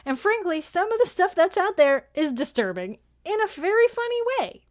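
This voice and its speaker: A woman's voice: very high voice, very animated, normal speed. A woman chatting casually as co-host of a podcast live show, with a playful, self-deprecating, bantering manner. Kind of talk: casual chat, announcing channel updates.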